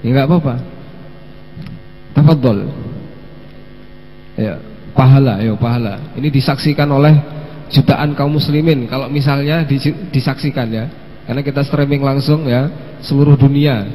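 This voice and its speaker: A man's voice: medium pitch, steady tone, normal speed, pauses often. Coaxing male kids' teacher in a hall. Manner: gently coaxing, sprinkles Arabic phrases. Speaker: children's religious teacher and host. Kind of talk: live-streamed kids' story lesson Q&A. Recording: long hall reverb with faint mains hum.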